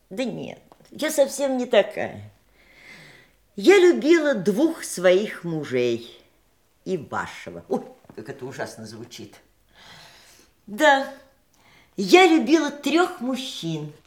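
An actress playing a dignified, candid mistress in an audio drama, reflective and wistful in a theatrical style. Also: female voice, medium pitch. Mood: candid, self-defending. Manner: reflective, expressive.

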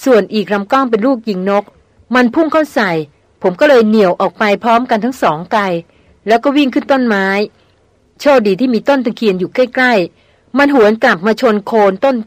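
A woman reading the part of a tough male veteran jungle hunter, telling his story in a steady, matter-of-fact way in an audiobook. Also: fairly high pitch, fairly quick, no room sound, close to an everyday voice. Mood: recounting.

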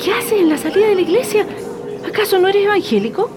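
Actress as nervous teen girl, very high voice, music bed. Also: lively intonation, fast talker. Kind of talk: radio drama acting.

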